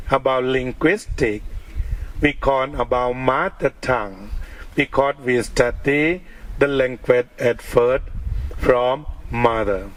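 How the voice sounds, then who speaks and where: A Thai-accented man speaks as a Buddhist monk giving a dharma talk. He delivers his words slowly and deliberately, in short measured phrases. His pitch sits in an ordinary middle range for a man. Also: rough recording. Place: outdoor park gathering.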